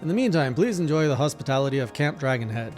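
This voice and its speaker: A man's voice: mid-range voice, lively intonation, fast, a little mellow, faint music behind, close to an everyday voice. A man reading aloud the lines of a courteous noble knight commander, with formal, old-fashioned phrasing.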